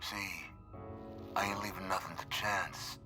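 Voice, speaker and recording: Tough boxer, very deep, gruff, slangy, music behind. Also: male voice, steady tone, unhurried. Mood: threatening. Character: tough cocky male boxer.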